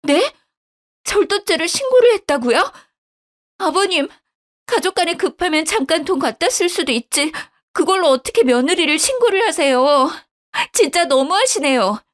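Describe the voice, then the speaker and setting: A woman's voice: high-pitched, expressive, moderate pace, voice pushed up. A woman voicing a pleading young wife who whines and begs, in a storytelling radio drama. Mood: indignant. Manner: whiny, begging.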